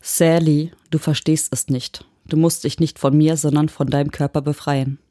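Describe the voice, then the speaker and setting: A woman voicing a possessive smart-home AI that holds a dead husband's mind, speaking calmly and without emotion in an audiobook. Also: low-pitched, normal speed, no room sound, studio quality, close to an everyday voice. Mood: cold, devoted. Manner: emotionless, mechanically patient. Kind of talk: audiobook reading.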